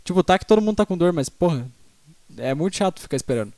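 A man's voice: high-pitched, animated, quick pace, darkish tone, no echo. Laid-back young Brazilian man, dry close sound. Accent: Brazilian Portuguese. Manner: laid-back, slangy, laughs often. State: in pain, sitting on ice. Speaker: podcast co-host. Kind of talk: casual podcast chat.

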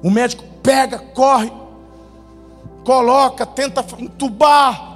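A male pastor preaching a sermon, telling a testimony dramatically, his voice swinging between loud bursts and hushed moments. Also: very high-pitched, fairly even intonation, slow pace. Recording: reverberant hall with faint music.

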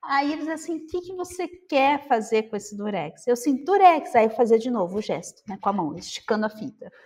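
A woman from Brazil telling a lively anecdote in casual chat, acting out the dialogue. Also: on the high side, fairly quick. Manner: animated, acts out the dialogue. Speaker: storyteller.

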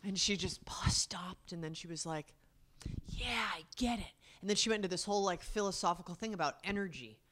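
A woman in her thirties co-hosting a podcast, telling stories casually with wry, deadpan quips. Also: on the low side, fairly quick. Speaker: podcast co-host. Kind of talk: casual chat.

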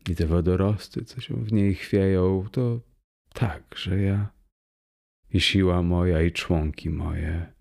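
A man voicing a young, joyful and hospitable man in a read-aloud story, talking in a soft, unhurried way that turns hushed when he muses. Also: deep voice, big pitch swings, gravelly, breathy edge, exaggerated voice. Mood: hushed rapture.

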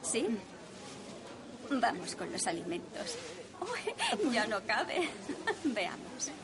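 An actress dubbing a cheerful, chatty food bank volunteer who talks in a friendly, helpful way. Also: female voice, a little high, wildly swooping pitch, drawn-out words, crowd noise, full character voice.

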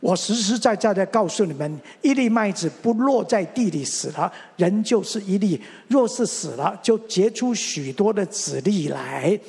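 A man's voice: high-pitched, animated, normal speed, vocal fry, few pauses, darkish tone, slightly rough. A man preaching a sermon as pastor, emphatic and asking and answering his own questions.

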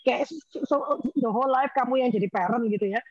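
A woman's voice: on the high side, fairly quick, a little mellow, no echo. A woman hosting a casual conversation, asking questions with hesitant fillers. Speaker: host. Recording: dull, lo-fi audio.

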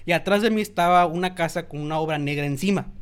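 A man's voice: a little high, quick pace, clean tone. A man with a Mexican accent, hosting a podcast and telling a story in a casual, slangy way, acting out the people he quotes. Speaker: podcast host.

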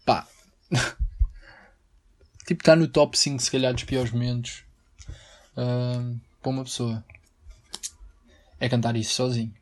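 A man's voice: mid-range voice, steady tone, unhurried, long pauses. A young man with a European Portuguese accent, hosting a casual solo podcast, rambling and slangy. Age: young adult. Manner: rambling and slangy, breaks into mock singing. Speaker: podcast host.

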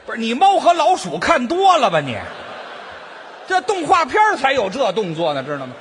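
A middle-aged man as the comic foil in crosstalk comedy, firing off quick retorts and exasperated exclamations. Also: very high voice, huge pitch swings, fairly bright tone, slight background noise. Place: theater stage with live audience.

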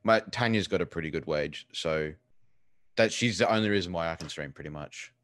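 Casting: male Australian streamer, deep voice, casual and blunt with loose swearing, recorded dry indoors. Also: a little fast, a bit bright, no echo. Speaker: live streamer, interview guest. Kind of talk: casual chat. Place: living room.

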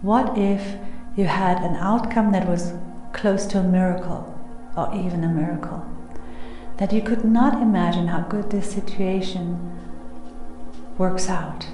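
A woman leading a guided meditation in the airy, breathy, soothing manner of a mystical healer, often dropping close to a whisper. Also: on the low side, steady tone, warm tone. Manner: soothing, deliberate. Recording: echoey reverberant sound over music. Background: music.

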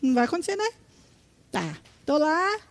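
High-voiced older Brazilian woman telling her story. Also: moderate pace. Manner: animated storytelling with repeated words and quoted dialogue. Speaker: retired schoolteacher giving testimony. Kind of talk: religious testimony.

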